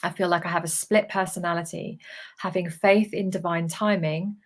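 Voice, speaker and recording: Lower-voiced woman channeling like a spirit medium. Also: steady tone. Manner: halting, emphatic, repeats phrases while relaying messages. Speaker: spiritual channeler relaying messages from guides to viewers. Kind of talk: live channeling session, seance-medium style spoken guidance.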